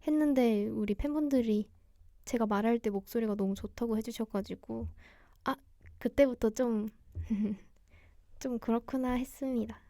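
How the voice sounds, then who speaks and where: Young woman, radio DJ, soft and gentle, fairly high mellow voice, dry close sound, cozy chat. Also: moderate pace, no echo. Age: young adult. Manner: soft, gentle, quiet-spoken. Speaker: radio DJ host, idol singer livestreaming. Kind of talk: cozy radio-show style livestream chat.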